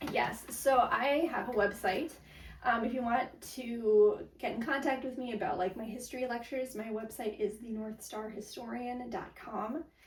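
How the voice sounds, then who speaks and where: Noticeable background noise sits behind a woman speaking at a high pitch and a moderate pace, with ordinary pitch variation. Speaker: historian and museum educator. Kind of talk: casual interview chat.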